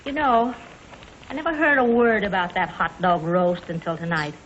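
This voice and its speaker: A woman plays a calm, kind middle-aged mother who sounds soothing and polite. This is 1940s radio acting on a dull old recording. A faint hiss sits behind her. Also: on the low side, normal speed, lightly acted. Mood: gentle.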